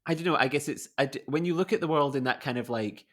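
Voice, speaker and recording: A man's voice: mid-range voice, fast talker, fairly bright tone. A young man hosting a conservation podcast, asking questions in a rambling, casual way full of restarts. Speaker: podcast host. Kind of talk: casual interview chat.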